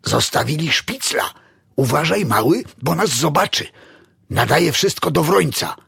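Man doing a rumbling gruff bald neighbor. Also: lively intonation, unhurried, fairly bright tone, dry recording, studio quality, full character voice. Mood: tense, hushed. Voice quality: rumbling low voice. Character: gruff bald burly male neighbor, tense.

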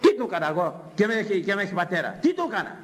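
Older male priest preaching, high lively voice, emphatic repeats, faint noise under the recording. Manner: emphatic, repeats phrases for effect. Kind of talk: sermon on scripture.

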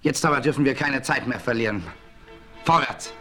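An actor playing a proud, honourable Native American chief in a German radio play, formal and declamatory. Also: male voice, mid-range voice, moderate pace, music in the background, natural voice. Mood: resolute.

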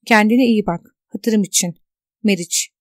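A woman reading the calm, reassuring note of a caring young woman in an audiobook. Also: mid-range voice, measured pace, no room sound, clean studio sound, lightly acted.

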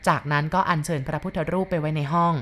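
A woman retelling a listener's ghost story in a casual, chatty way, with polite particles and lively quoted lines. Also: fairly low pitch, quick pace, slight background noise.

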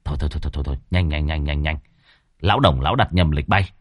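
A man's voice: rumbling low, very fast, no room sound, clean studio sound, voice pushed down. A man voicing a stern young male exorcist who scolds and gives orders.

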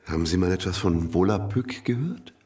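An actor playing a proud, aggrieved old Catholic priest in a radio drama, with a pompous, theatrical manner. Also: male voice, deep voice, moderate pace, a little mellow, distant mic, natural voice. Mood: wistful. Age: older.

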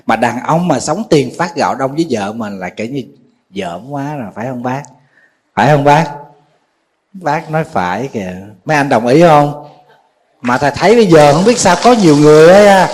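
Một nhà sư giọng Nam Bộ, hơi khàn, giảng pháp thân mật, hay hỏi lại người nghe. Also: male voice, medium pitch, darkish tone. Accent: Southern Vietnamese. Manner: folksy and conversational, questions the audience often. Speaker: Buddhist monk giving a dharma talk. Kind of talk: sermon.

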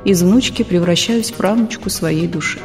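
Mellow woman reading a novel aloud. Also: on the low side, soft background music. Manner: calm, measured reading. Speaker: audiobook reader. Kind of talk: scripted literary narration.

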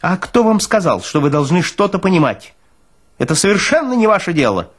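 A fussy, self-important military medical officer, acted out by a male narrator for an audio story. His voice is pushed high, and he orders people about with indignant, peremptory pomp. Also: big pitch swings, a little fast, breathy edge, full character voice. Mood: haughty, indignant. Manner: pompous, shrilly indignant, peremptory. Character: fussy, pompous military medical officer, shrill bossy bureaucrat.

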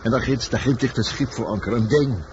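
An actor in a Dutch radio play playing a world-weary, blunt lover and sailor, terse and fatalistic. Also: male voice, medium pitch, fairly quick, darkish tone, natural voice. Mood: tender, lively. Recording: dull, noisy old radio drama recording.

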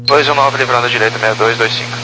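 A man with a medium-pitched voice reads back instructions over two-way radio. The transmission is clearly noisy, and his delivery is procedural. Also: steady tone, racing.

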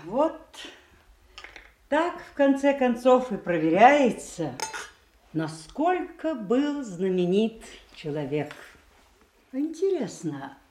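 Неторопливая задумчивая женщина с живыми интонациями. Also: female voice, mid-range voice, warm tone, slight background noise. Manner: halting, musing, dramatic pauses and swells. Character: reflective, wry, mature woman musing at length. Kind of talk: Russian radio theatre monologue.

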